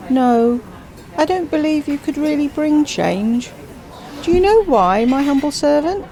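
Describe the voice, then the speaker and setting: A woman's voice: high voice, lively intonation, measured pace, a crowd in the background, voice pushed up. A woman voicing a chatty, self-absorbed widowed queen who drawls with grand theatrical emphasis. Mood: grandiose.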